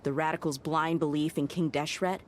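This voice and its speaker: A woman's voice: low-pitched, steady tone, normal speed, a little hiss or hum, natural voice. A woman playing a shrewd, cool-headed young desert mercenary in a video game, speaking in a self-assured, matter-of-fact way. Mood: frank, thoughtful. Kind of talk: dramatic video game voice acting. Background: music.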